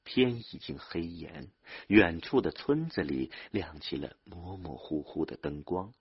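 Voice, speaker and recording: A man's voice: deep voice, animated, measured pace, husky, highs cut off. A man narrating a novel as an audiobook, telling the story expressively with dramatic swings.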